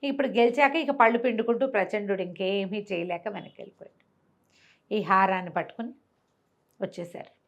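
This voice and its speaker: A woman's voice: medium pitch, fairly even intonation, brisk, pauses often, lo-fi sound. A woman with a Telugu accent telling a folk tale conversationally, explaining as she goes and acting out dialogue in her own voice. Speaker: storyteller.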